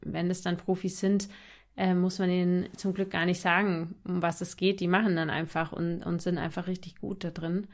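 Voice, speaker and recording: A woman's voice: on the low side, level tone, moderate pace. A woman talking casually and enthusiastically as a musician guest in a podcast interview, in informal language.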